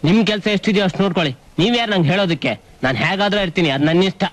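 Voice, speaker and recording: A man's voice: high-pitched, very fast, fairly bright tone, dry recording. An actor playing a proud, rude young village man, talking in a curt, defiant way. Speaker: arrogant young suitor Ramu.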